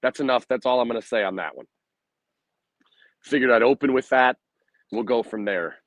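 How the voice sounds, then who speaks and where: Hoarse raspy guy ranting about the hockey game, blunt, swears a lot, dry close mic. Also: medium pitch, moderate pace, no room sound. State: hoarse, recovering from lost voice. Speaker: hockey podcast host. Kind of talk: postgame sports commentary.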